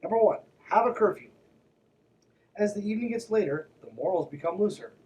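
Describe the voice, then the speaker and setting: A man's voice: sits high, animated, fairly quick, darkish tone, recorded from a distance, slight background noise. A man hosting a podcast, reading aloud and breaking in with mocking, irreverent, conversational asides. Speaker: podcast host.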